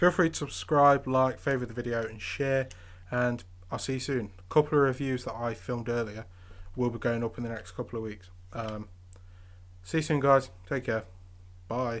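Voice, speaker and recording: A man talks at a moderate pace with fairly even intonation. He leaves long, frequent pauses. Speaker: toy reviewer vlogger. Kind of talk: casual vlog chat. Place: home room. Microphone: webcam.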